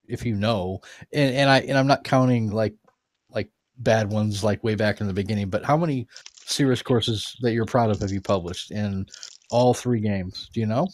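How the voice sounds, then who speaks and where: A man's voice: lowish voice, normal speed. A man hosting a gaming livestream, chatting casually while he plays. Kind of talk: casual chat while playing a golf game. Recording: background noise with keyboard clicks.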